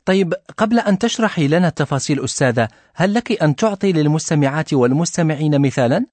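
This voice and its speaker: Lively male radio host asking questions. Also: fairly high pitch, quick pace, dry recording. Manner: asks the teacher questions for the listeners. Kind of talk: hosting a language lesson on radio.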